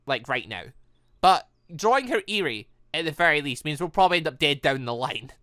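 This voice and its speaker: A woman hosting a gaming video, giving casual, excitable playthrough commentary with halting exclamations. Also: sits low, no room sound, clean studio sound.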